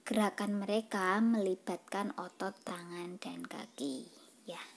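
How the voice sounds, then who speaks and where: A woman reading a schoolbook lesson aloud to children, patient and soft, half-whispering. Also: mid-range voice, steady tone. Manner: slow, patient, addresses children directly. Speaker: teacher.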